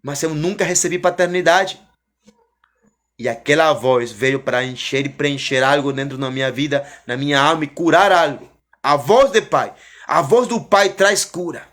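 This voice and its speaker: A man's voice: a little high, moderate pace. Fervent man giving a testimony. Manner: fervent, repetitive, swelling then dropping to soft. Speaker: preacher giving his testimony. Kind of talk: emotional religious testimony.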